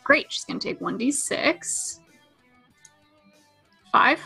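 Woman playing tabletop rpg, bright highish voice, casual, music faintly behind. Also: wildly swooping pitch, takes it slowly, gravelly. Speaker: player. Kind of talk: casual tabletop game chat.

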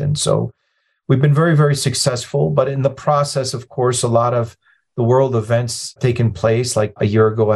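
A man's voice: on the low side, darkish tone. A man in his fifties from Lebanon, a nonprofit president telling his story as a podcast guest in a plain, matter-of-fact way. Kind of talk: conversational storytelling interview.

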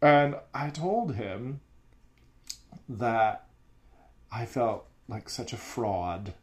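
A man's voice: medium pitch, animated, extremely slow, a little mellow. A man who teaches music, talking in an earnest, reflective way in a casual podcast chat.

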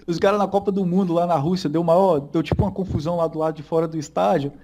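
A man's voice: fairly high pitch, fairly even intonation, brisk, warm tone, a little hiss or hum. A young Brazilian man chatting casually as co-host of a podcast, laid-back and slangy, laughing often.

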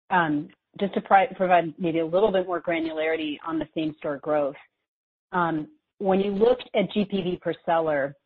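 A woman company executive giving measured, detail-focused explanations of financial results on an earnings call. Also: low voice, husky. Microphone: conference call line. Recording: muffled narrow phone-like call line.

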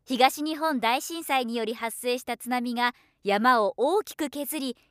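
A woman giving scripted narration as a professional voiceover artist, with a measured, polished delivery. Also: a little high, clean tone, dry recording, studio quality.

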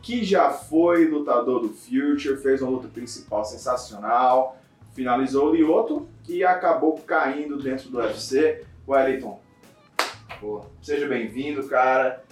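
A man's voice: mid-range voice, unhurried. Roomy, distant man interviewing. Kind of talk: casual interview. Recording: roomy, off-mic with music behind.

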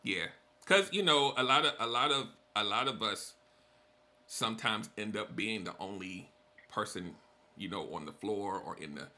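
A man hosts a podcast in casual conversation, candid and plainspoken as he tells his own stories. His tone is bright and forceful over a fairly low pitch. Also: normal speed. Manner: candid, plainspoken, lively storytelling. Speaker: podcast host.

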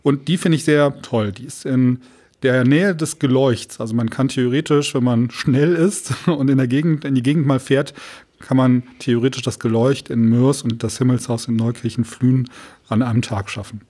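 A man's voice: medium pitch, fairly even intonation, normal speed, mellow. A man chatting casually as a podcast co-host, explaining things and often searching for words.

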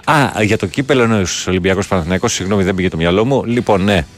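A man hosting a morning sports radio show, chatting casually and reading out listener messages. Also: deep voice. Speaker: radio host. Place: radio studio. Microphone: studio microphone. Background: quiet music.

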